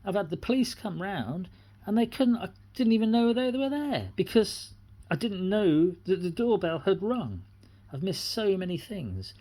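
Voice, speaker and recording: Aggrieved British speaker with a mellow voice. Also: mid-range voice, big pitch swings, a little slow. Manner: aggrieved, repetitive, indignant. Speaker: tenant making a complaint. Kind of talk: unscripted personal grievance monologue.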